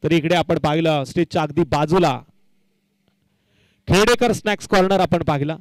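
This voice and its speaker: Clear, higher-voiced man commentating cricket. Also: moderate pace, dry recording, rough recording. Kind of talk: live local tournament cricket commentary with announcements.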